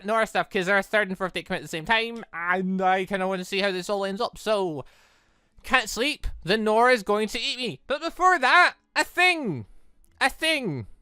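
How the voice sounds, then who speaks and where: A man's voice: high voice, sharp tone, clear, resonant tone, no echo, clean studio sound. A man giving casual, rambling commentary as he hosts a gaming playthrough, often interrupting himself. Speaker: gaming video host.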